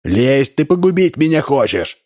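A man's voice: medium pitch, very animated, moderate pace, darkish tone, pitched above the performer's own voice. A man reading aloud and voicing a timid, fearful middle-aged man who panics easily. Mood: panicked. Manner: fearful, fussing.

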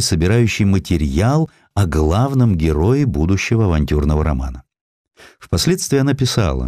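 A man reading a historical story as an audiobook narrator, in a measured, expressive storytelling manner. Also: deep voice, dry recording, clean studio sound. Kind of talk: scripted dramatic narration of historical fiction.

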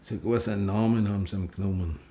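A man's voice: on the low side, fairly even intonation, fast talker, dark tone, slight background noise, close to an everyday voice. An actor playing an ageing, defiant gay activist who tells of his grief with a Viennese accent, in a radio drama. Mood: sombre, mourning. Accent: Viennese Austrian. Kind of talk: radio drama monologue and dialogue. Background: music.

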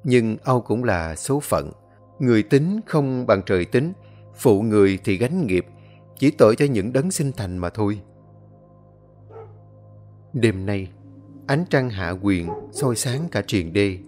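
A man narrating a ghost story in slow, measured storytelling. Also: fairly low pitch, animated, darkish tone, faint music behind.

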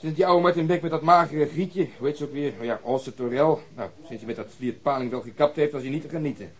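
An actor playing a gruff, cynical male police detective, sarcastic and coarse in a radio drama. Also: on the high side, fast, lightly acted. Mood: sneering.

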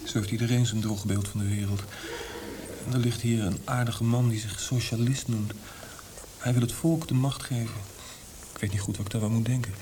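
An actor playing an earnest, puzzled army officer recovering from illness in a radio drama, speaking plainly and hesitantly. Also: male voice, mid-range voice, steady tone, moderate pace, noisy background, close to an everyday voice. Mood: earnest, musing. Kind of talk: Dutch radio drama acting.

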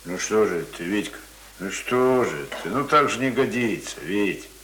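An actor playing a plain-spoken visiting village uncle in a naturalistic radio play, talking in a familiar, earnest, colloquial way. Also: male voice, lowish voice, animated, a little slow, fairly bright tone. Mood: reproachful, concerned. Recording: roomy, noisy radio drama recording.

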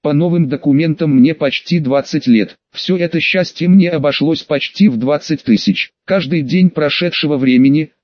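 A man's voice: on the high side, normal speed, few pauses, no echo. Man narrating an audiobook, dry and dull. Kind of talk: first-person audiobook narration.

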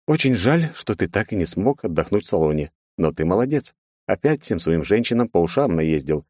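A man's voice: deep voice, big pitch swings, brisk, a little mellow, dry recording, clean studio sound. A man reading an audiobook voices a sly fox-woman sending a sarcastic text.

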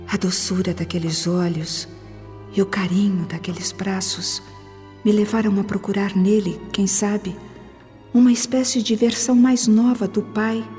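A woman's voice: mid-range voice, mellow, close to an everyday voice. An actress playing a passionate young woman in a radio drama, thinking aloud in a dramatic, introspective way. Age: young adult. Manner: dramatic, introspective, pausing between phrases. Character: young woman, self-justifying, guilt-troubled, passionate in love. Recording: long reverb with music behind. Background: music.

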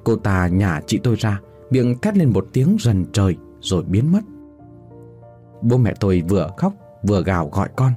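A man narrating a first-person horror story in a dramatic, expressive way. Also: fairly low pitch, normal speed, soft background music.

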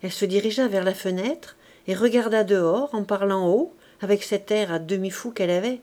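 A woman narrating a classic novel as an audiobook reader, in a measured, expressive way. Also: medium pitch. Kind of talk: scripted narration.

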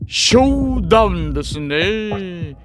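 A slow-drawling, sly aging gentleman. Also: high-pitched, lively intonation, background noise. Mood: smug, teasing. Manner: unctuously polite, theatrical, drawn-out. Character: sly, courteous aging man, burly judo-trained gambler. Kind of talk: anime audio drama acting.

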